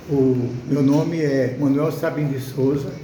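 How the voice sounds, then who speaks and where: Noticeable background noise and audible room echo around a man's voice pitched fairly high. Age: 70s. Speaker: baker and bakery owner. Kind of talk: interview. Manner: halting, repeats words.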